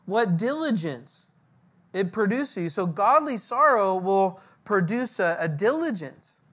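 A male pastor preaching a verse-by-verse sermon in a church, teaching deliberately and posing rhetorical questions to the congregation. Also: sits high, sing-song, a bit bright.

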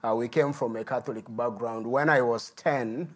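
Middle-aged man, guest pastor; earnest, unhurried sermon delivery in a mid-range voice. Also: medium pitch, steady tone. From Uganda. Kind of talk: sermon with personal testimony.

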